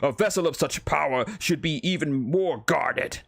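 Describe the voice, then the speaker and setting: A man's voice: on the high side, moderate pace, gravelly, no echo, studio quality, voice pushed up. A man voicing a pompous, indignant armored tyrant with a grandiose, declamatory manner, in a comic story reading. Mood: scornful. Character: pompous, indignant male armored tyrant speaking in third person.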